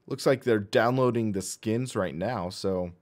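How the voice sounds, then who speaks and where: A man with a hoarse voice casually narrating a sim racing live stream, thinking aloud as he goes. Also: on the low side, measured pace, a little mellow. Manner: chatty, thinks aloud while clicking menus.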